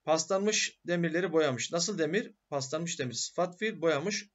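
Man, high voice, grammar lesson, asks and answers his own questions, dull lo-fi sound. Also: measured pace. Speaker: teacher. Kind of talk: grammar lecture.

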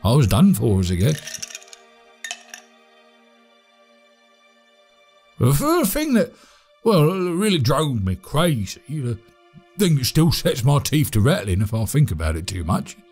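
An actor playing a chatty, cagey British servant in an audio drama, speaking in a halting, colloquial, animated way. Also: male voice, medium pitch, slightly rough, soft background music. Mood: haunted, bitter. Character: chatty, cagey servant man, obsequious yet scheming. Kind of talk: audio drama monologue and dialogue.

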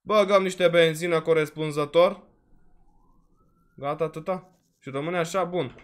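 Romanian man, high-pitched, let's-play host, chatty, quick to exclaim, voice a bit worn. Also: fairly even intonation, clear, resonant tone. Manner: chatty, exclaims often, peppers talk with "frate" and "bă". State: voice slightly worn, coughing. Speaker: gaming video host. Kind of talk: casual let's-play commentary.

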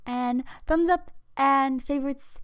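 A woman's voice: high-pitched, slow, no echo, studio quality. A young adult woman chatting casually to camera. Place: small dim room at home, indoors. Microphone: microphone close in front of her.

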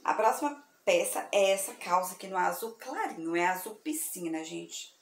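A woman from Brazil selling thrift clothes online, chatty and effusive, her voice slightly hoarse from sleepiness. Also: lowish voice, animated, normal speed. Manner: chatty, effusive, addresses viewers as girls. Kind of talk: casual product showcase. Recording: echoey room with faint ambient noise.

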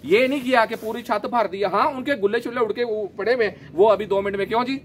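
A man, gently explaining his pigeon keeping in a casual vlog, a little hoarse from a sore throat. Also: high-pitched, fast talker, slight background noise. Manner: chatty, gentle, explains while handling birds. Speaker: pigeon keeper vlogger. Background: pigeons cooing.

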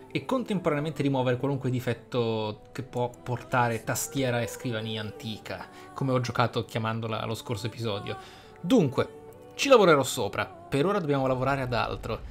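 A man giving reflective, emphatic let's play commentary as a gaming host. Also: medium pitch.

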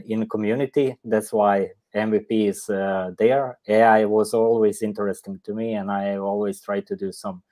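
A middle-aged man from Croatia presenting informally at an online tech session, halting and often pausing mid-phrase. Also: fairly low pitch, a little mellow. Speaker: guest speaker, tech presenter. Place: indoor room, video call.

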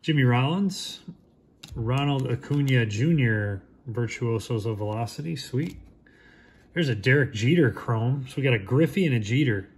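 A man in his thirties giving casual, low-key commentary while opening packs at a shop counter, naming each player as it comes up. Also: expressive, moderate pace, slight background noise.

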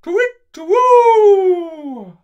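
A woman voicing a grand, helpful magical female owl, with hooting, drawn-out speech. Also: very high-pitched, lively intonation, highs cut off, pitched above the performer's own voice, heavily acted. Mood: proud, hooting.

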